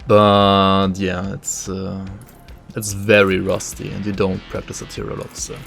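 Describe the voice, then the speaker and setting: A man gives loose, rambling commentary on his gameplay, full of "like" fillers. Soft game music plays faintly underneath him. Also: low-pitched, monotone, unhurried, gravelly. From Germany. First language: German. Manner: casual, thinking aloud, many "like" fillers. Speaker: game streamer. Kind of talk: live gameplay commentary, reading chat.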